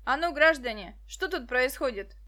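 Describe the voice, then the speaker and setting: Woman playing a pompous male cop, mocking, bossy, high voice, audiobook. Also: lively intonation, normal speed, bright, forceful tone. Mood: stern.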